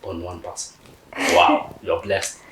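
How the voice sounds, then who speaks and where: Guy hosting a tv chat, real low voice, sounds far off and echoey, bit of hiss. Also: level tone, slow pace, fairly bright tone. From Kenya. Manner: friendly, hedging questions with "maybe". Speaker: TV talk show host. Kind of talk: TV interview hosting.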